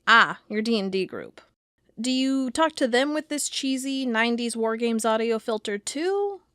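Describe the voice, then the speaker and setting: An actress playing an intense, stubborn investigator of strange creatures in an audio drama, with a dramatic, expressive delivery. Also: female voice, fairly high pitch, moderate pace, dry recording, clean studio sound. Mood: sardonic, insistent. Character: driven female cryptid investigator, sardonic, intense, stubborn. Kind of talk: audio drama narration and dialogue.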